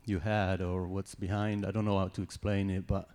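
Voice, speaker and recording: A man's voice: sits low, flat delivery, moderate pace, darkish tone. A man from Switzerland with a Swiss German accent, a native Swiss German speaker, giving a personal testimony in church with informal joking asides.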